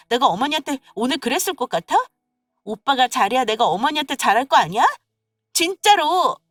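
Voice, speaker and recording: A woman putting on a shrill, whiny young wife. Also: a bit bright, no room sound, studio quality. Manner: whiny, indignant, voice rising high. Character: young wife, sulky and defiant daughter-in-law. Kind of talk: scripted story radio acting.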